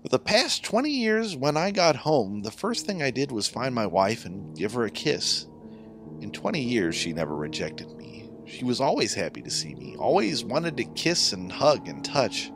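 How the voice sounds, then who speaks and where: A man's voice: mid-range voice, very animated, normal speed, music in the background. A middle-aged man giving a scripted first-person narration of a horror story.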